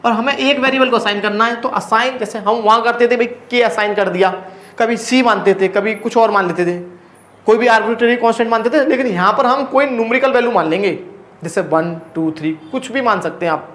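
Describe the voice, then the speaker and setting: High-voiced man teaching in an echoey room. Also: fairly quick, fairly bright tone. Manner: explains step by step, asking the class rhetorical questions; casual and chatty, calls students brother. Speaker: math teacher. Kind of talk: blackboard lecture.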